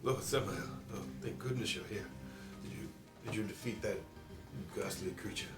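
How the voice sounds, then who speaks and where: A man's voice: on the low side, moderate pace, music in the background, lightly acted. A man voicing a fussy, anxious male gnome jeweler who stammers his thanks, recorded in an echoey room away from the mic. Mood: flustered. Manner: flustered, stammering.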